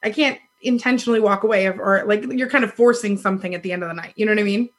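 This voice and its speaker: A woman in her thirties with a loud voice, telling a dating story in casual chat, animated and laughing often. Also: medium pitch, rapid-fire, slightly rough. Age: 30s. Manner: animated, laughs often, acts out quoted lines.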